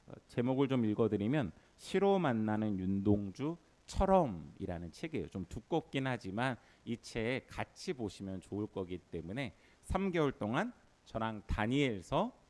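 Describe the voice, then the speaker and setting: Korean pastor preaching with lively pitch. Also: male voice. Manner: lively, leads the congregation in call-and-response. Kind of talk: sermon. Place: church sanctuary during worship.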